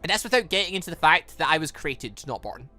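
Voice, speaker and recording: A man's voice: fairly high pitch, very animated, fast talker, pushed and bright, no room sound, soft background music. A man voicing a frank, questioning girl, an artificially created being, in a visual novel. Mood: matter-of-fact. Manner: frank, matter-of-fact, questioning. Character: blunt, curious artificially created girl who loves sweets. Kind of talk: visual novel character reading.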